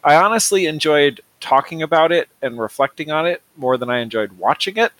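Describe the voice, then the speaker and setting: A man's voice: a little high, fairly quick, fairly bright tone, no room sound, rough recording. A man appearing as a podcast guest in casual chat, hesitant and reflective, with fillers like "um" and "uh".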